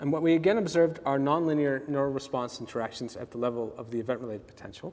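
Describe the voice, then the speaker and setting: Ordinary pitch variation marks this man's dark, mellow voice. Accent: American. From United States. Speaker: neuroscience professor and lab director. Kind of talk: academic lecture. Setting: lecture hall with live audience. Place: hall.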